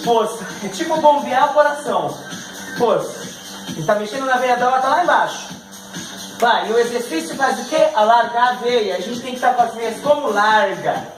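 A man's voice: extremely high pitch, lively intonation, normal speed, roomy sound, music in the background, poor audio. A middle-aged Brazilian man leading a home exercise class, cueing moves and counting reps with an upbeat, laughing manner. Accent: Brazilian Portuguese. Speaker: fitness instructor. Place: living room at home.

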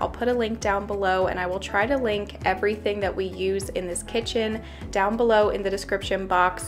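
A young woman, a home renovation vlogger, narrating a voice-over in a cheerful, chatty way and explaining each step. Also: mid-range voice. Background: faint background music.

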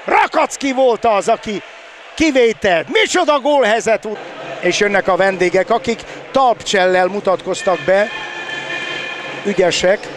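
An older man doing excited sports commentary, often shouting and repeating words. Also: high-pitched. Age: older, around 70. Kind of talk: excited Hungarian futsal commentary. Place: balcony of a large indoor sports hall. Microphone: headset. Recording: background noise of a sports hall.

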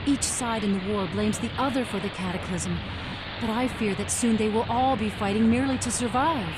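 An actor voicing Troia, a grown heroine, in a motion comic, speaking earnestly and gravely. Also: male voice, very high voice, noisy background, voice pushed up.

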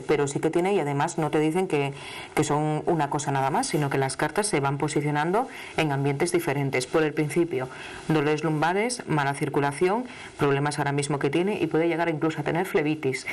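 Low and deep-voiced, this middle-aged woman from Asturias, Spain, works as a television tarot reader, giving a live reading in the studio with an Asturian Spanish accent. Sitting at a desk with a studio microphone, she speaks to the caller emphatically and familiarly, with a warm, chatty quality.

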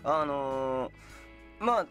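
A man's voice: medium pitch, lively intonation, extremely slow, fairly bright tone, faint music behind. A man chatting casually as a guest in a radio studio. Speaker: radio show guest, stage actor. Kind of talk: casual chat. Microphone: studio boom microphone.

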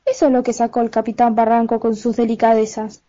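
A woman's voice: a little high, flat delivery, fast talker, mellow, close to an everyday voice. A young woman playing a domineering, scolding middle-aged widowed mother in an amateur radio play, with a Buenos Aires accent. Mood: hard, exalted. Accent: Argentine (Buenos Aires). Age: teenager or young adult. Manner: bossy, exclamatory. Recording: dull lo-fi home recording.

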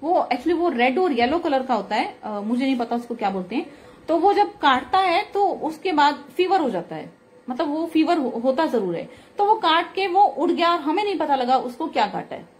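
A woman in her thirties with a slightly hoarse throat, telling a devotional testimony in an earnest, chatty way with many fillers, recorded at home on a phone close to her face. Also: high voice, lively intonation, normal speed, faint music behind. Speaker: satsang speaker. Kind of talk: devotional singing then testimony talk.

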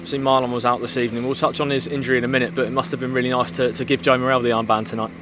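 A man interviewing a football coach outdoors on a pitch at night, asking brisk, friendly questions. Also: little pitch movement. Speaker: club media interviewer. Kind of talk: post-match interview questions. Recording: outdoor with clear background noise.

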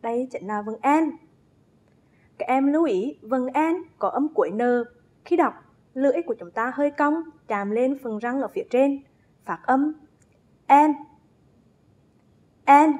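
A woman teacher giving a first-grade phonics lesson, speaking with slow, careful enunciation and drawn-out spelling drills as she calls young pupils to read along. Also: sits high, darkish tone, slightly rough, highs cut off. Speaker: primary school teacher.

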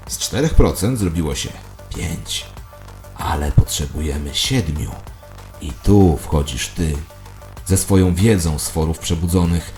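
A man's voice: sits low, warm tone. A man voicing a solemn, doctrinaire conspiracy ideologue preaching emphatically in a satirical audio drama.

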